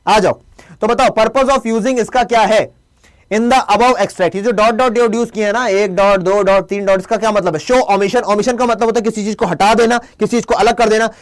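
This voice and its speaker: A man's voice: high-pitched, fairly even intonation, normal speed. A young man with a Hindi accent teaching a live online English class, playful and scolding his chat commenters. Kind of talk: live class with quiz questions.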